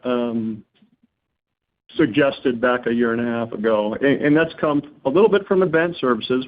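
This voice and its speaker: Exec guy on an earnings call, informal, repeats himself a bit, sounds like a phone line. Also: medium pitch. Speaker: company executive answering analysts. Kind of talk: earnings call question and answer. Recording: narrow phone-like conference line.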